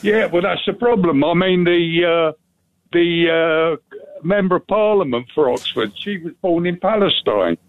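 A man's voice: fairly high pitch, measured pace. Blunt matey man on a phone line. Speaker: caller. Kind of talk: radio phone-in call.

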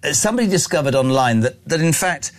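A male host runs his talk show with a cheeky, mock-serious edge, needling his guest for fun. His voice sits a bit high for a man and swings up and down with lively, animated intonation. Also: quick pace. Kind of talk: brash teasing radio chat.

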